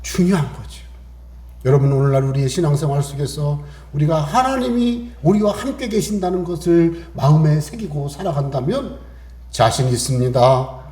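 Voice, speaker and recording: Male pastor, Sunday sermon, high lively voice, echoey room. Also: normal speed. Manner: animated preaching, acts out prayers and dialogue.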